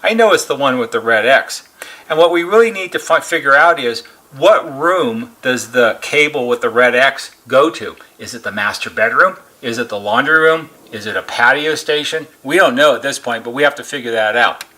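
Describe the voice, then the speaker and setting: A man's voice: mid-range voice, expressive, normal speed, sharp tone. A man presenting as a repair technician, methodically explaining a hands-on procedure step by step and plainly repeating his points. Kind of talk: step-by-step instructional demonstration.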